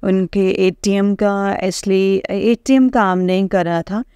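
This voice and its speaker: A middle-aged woman sharing a personal testimony with a congregation, halting and full of pauses and fillers, addressing her listeners respectfully. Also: mid-range voice, warm tone, clear, resonant tone, no room sound, studio quality.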